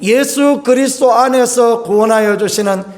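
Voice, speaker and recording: High-voiced pastor telling a folksy story. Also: male voice, normal speed. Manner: folksy, animated storytelling with chuckles. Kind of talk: sermon with personal storytelling.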